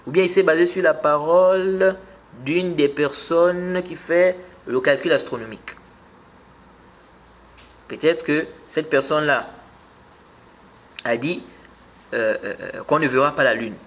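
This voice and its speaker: Guy teaching a religious lesson, kinda high voice, repeats himself, gets louder on key points. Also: a little slow, pauses often. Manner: explanatory, repeats words and restarts, rises when emphasizing. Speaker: Islamic teacher.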